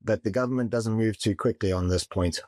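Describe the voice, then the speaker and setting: A man with a very deep voice, answering interview questions as a property and mortgage advisor. He speaks steadily and often repeats a word as he restarts. The recording is dry and close. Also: darkish tone, no echo. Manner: measured, stumbles and repeats words.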